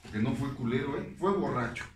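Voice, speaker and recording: A man with a Mexican accent giving a profane, emphatic testimony at a support group meeting, with bursts of shouting. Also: medium pitch, brisk, noisy background. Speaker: recovery group speaker. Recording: echoey room, mic at a distance, faint ambience.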